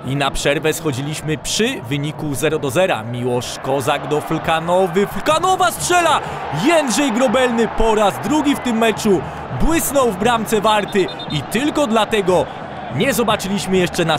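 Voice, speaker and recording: A man narrating football match highlights as commentator, calm between chances and shouting when shots come. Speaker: sports commentator. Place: voice-over over stadium crowd sound. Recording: loud crowd and field noise underneath. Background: stadium crowd and noise.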